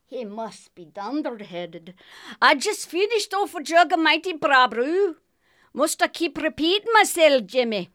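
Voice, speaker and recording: A woman doing a brash, high, lilting Scottish lady. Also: big pitch swings, measured pace, a bit bright, dry recording, studio quality, heavily acted. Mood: impatient. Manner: exaggerated brogue, Scots words, teasing. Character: brash Scottish woman hanging around a radio station. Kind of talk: radio comedy sketch acting.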